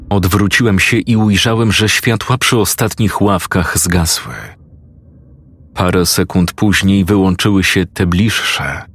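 A man narrates a first-person horror story in a grave, measured tone. His voice is very deep and slightly husky, and he reads at an unhurried pace that lets each line settle. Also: fairly bright tone.

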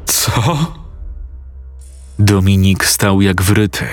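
A man narrating a scripted horror story in a steady, suspenseful way. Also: lowish voice, unhurried. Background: faint music.

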